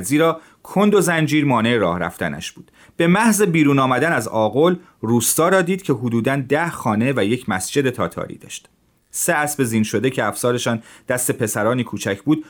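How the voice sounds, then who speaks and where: A man reading a translated classic story aloud as a calm narrator for teenagers. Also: medium pitch.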